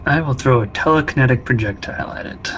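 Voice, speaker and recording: A man's voice: medium pitch, fast, fairly bright tone, slight background noise. A man speaking informally and conversationally as a player in a tabletop roleplaying game. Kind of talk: casual game-table talk.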